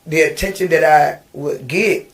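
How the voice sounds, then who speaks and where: A woman's voice: low-pitched, unhurried. A middle-aged woman, a podcast guest recounting her life with many ums and restarts. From Virginia, USA. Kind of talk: personal storytelling in an interview. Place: podcast studio.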